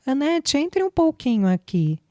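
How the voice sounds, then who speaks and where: Woman reads a gentle, affectionate young mother-to-be; mellow, soft. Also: high-pitched, very animated, unhurried, dry recording, clean studio sound, pitched above the performer's own voice. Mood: polite. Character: tender young woman, newly pregnant.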